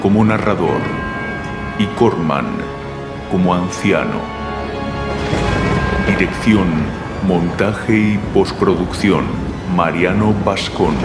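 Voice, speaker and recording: Deep, echoing male promo announcer. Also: lively intonation, slow pace, pauses often. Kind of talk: scripted podcast credits and promo voice-over. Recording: echoey voice under loud music.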